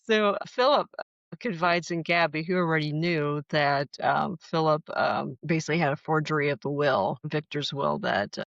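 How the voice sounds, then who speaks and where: A woman's voice: sits low, moderate pace, gravelly, dry recording. A woman hosting a podcast, casually recapping a soap opera in a frank, chatty way with plenty of fillers. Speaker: podcast host. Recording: dull lo-fi sound.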